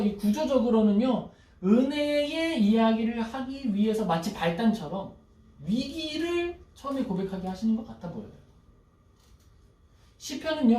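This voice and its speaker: A man's voice: high-pitched, far from the mic. Male pastor preaching in an echoey hall. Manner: lively, acts out prayers in a pleading voice, asks the congregation questions. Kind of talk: sermon.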